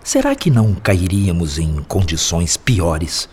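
Wise spirit mentor, low and expressive. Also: male voice, slightly rough, full character voice. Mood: patient reasoning. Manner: measured, sermonizing, persuasive. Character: calm, wise male spirit mentor, compassionate and patient. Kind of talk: radio drama acting.

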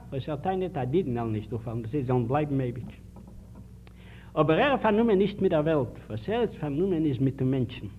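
A man giving a public lecture, telling anecdotes and putting emphatic rhetorical questions to his listeners. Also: fairly high pitch. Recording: tinny archival 1950s lecture tape with faint hiss.

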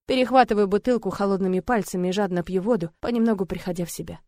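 A woman's voice: mid-range voice, quick pace, darkish tone, no echo. A woman narrates an audiobook in the first person. Her reading is tense and emotional, with a mid-range voice. The recording is dry and close.

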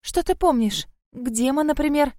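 Woman doing a high, anxious bunny girl who fusses kindly over her friend; dry and close. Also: expressive, normal speed, mellow, dry recording. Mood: concerned. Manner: earnest, worried, fussing. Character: friendly young rabbit-eared girl, anxious and caring.

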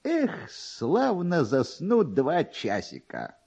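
Man voicing a smug, drowsy, husky police officer. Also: on the high side, huge pitch swings, extremely slow, a little mellow, lo-fi sound, pitched above the performer's own voice, full character voice. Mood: drowsy, contented. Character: sleepy, smug male police officer who loves money and naps. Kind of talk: dramatic literary reading.

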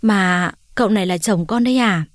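A woman's voice: medium pitch, a little fast, dry recording, studio quality, lightly acted. Woman doing a grey-haired old mother, choked up. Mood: emotional. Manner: choked, emotional.

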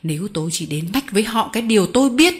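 Woman voicing cruel male boss, sugary, mocking, menacing, mid pitch, storybook. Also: unhurried, a bit bright, natural voice. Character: sly cruel male child-labor boss, honeyed.

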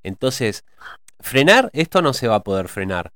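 A man in a reflective cultural discussion, pausing often with hesitations as he thinks aloud. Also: mid-range voice, sing-song, a bit bright, clean tone, no echo, clean studio sound. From Argentina.

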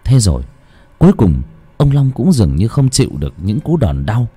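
A man narrates a ghost story, his mid-range voice carrying a breathy edge. He keeps a moderate pace and delivers the tale in a dramatic, expressive storyteller's style.

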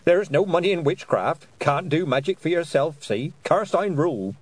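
A man's voice: on the high side, expressive, normal speed, no echo, voice pushed up. A man voicing a short, jolly old woman witch who chats in a folksy, knowing way. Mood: cheeky.

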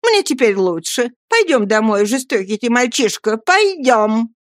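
A woman reading an audiobook and voicing a distraught young woman who wails and pleads loudly. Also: on the high side, big pitch swings, measured pace, no room sound, clean studio sound, pitched above the performer's own voice. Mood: wailing. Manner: wailing, theatrical pleading.

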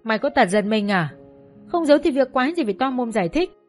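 A woman's voice: on the high side, animated, fast, a little mellow, soft background music, pitched above the performer's own voice. A woman voicing a jealous, spiteful young hostess who taunts and tattles. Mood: sneering. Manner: sneering, taunting.

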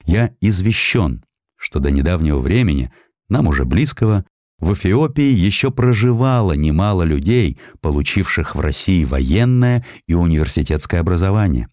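A man reading a scripted historical sketch as an audiobook narrator, in an expressive, dramatic storytelling manner. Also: deep voice, moderate pace, no echo, clean studio sound. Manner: expressive storytelling, acting out quoted speech.

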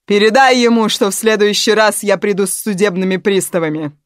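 A shrieking, hysterical middle-aged actress. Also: female voice, expressive, no room sound, studio quality. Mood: threatening. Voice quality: shrill, shrieking. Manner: ranting, slow and drawn-out. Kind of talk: audiobook character voice.

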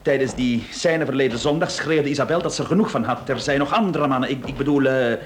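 A man's voice: medium pitch, lightly acted. Uneasy, evasive husband played by a man, noisy recording. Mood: evasive, halting. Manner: halting, stammering, self-correcting. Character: evasive, hesitant husband of a missing woman. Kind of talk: Dutch-language radio play acting. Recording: noisy old radio drama recording.

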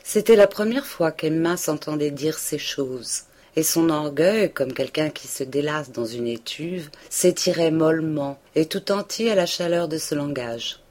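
Low-voiced woman reading a classic novel. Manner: measured, expressive reading. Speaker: audiobook reader. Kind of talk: literary audiobook narration.

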